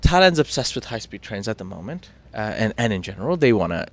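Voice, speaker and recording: A man's voice: fairly low pitch, big pitch swings, fast talker. A man with a British accent hosting a morning TV show, talking through news in a chatty, self-mocking way with fillers and restarts. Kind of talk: casual news chat.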